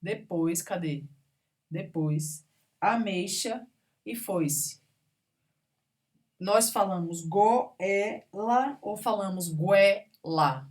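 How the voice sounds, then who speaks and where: A woman with a lowish voice gives a grammar lesson at an unhurried pace. She reads out each example word, labels it, and keeps asking whether the class is with her. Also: a little mellow. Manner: patient, spells out examples word by word with frequent check-ins. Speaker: teacher.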